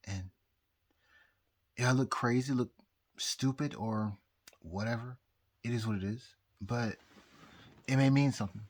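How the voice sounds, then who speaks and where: A very drunk man rambling casually to viewers, halting and repeating himself as he loses his thread. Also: medium pitch. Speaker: amateur astrologer vlogger.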